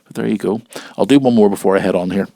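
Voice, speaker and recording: A man speaks in a lowish, husky voice roughened by a cold. He hosts in a casual, informal way, talking straight to his listeners as he goes through news and mail. The sound is dry and close, with little room to it. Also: fast, warm tone, no room sound. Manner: informal, addresses listeners directly. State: has a cold. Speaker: wrestling show host.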